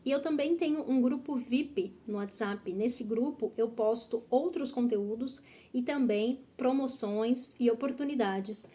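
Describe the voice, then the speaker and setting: A woman's voice: fairly high pitch, unhurried, few pauses, warm tone. A Brazilian woman teaching Portuguese online, direct and encouraging, often checking in with "tá?". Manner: direct, encouraging, repeats key points with "tá?". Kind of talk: online language lesson.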